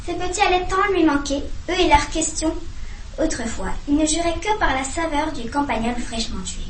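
A woman reading a children's storybook aloud with expressive, animated narration. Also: high-pitched, moderate pace. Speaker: reader. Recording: roomy echo, distant mic, faint hum.

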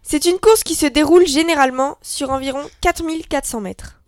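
A woman's voice: high-pitched, a little fast, no room sound. A young woman co-hosting a scripted debate show, matter-of-fact and teasing. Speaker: co-host.

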